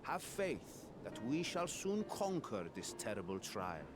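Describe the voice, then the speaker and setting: A man playing a composed, stately ruler in a video game, speaking in formal, measured oratory to reassure people. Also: mid-range voice, very animated, noisy background. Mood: solemn, reassuring. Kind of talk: dramatic video game acting. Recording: loud music under the voice.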